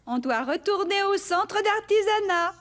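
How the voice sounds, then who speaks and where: High, lively, kindly cartoon grandmother. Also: measured pace, exaggerated voice. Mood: kindly, encouraging. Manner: encouraging, explanatory. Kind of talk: children's cartoon dialogue. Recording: music behind the voice.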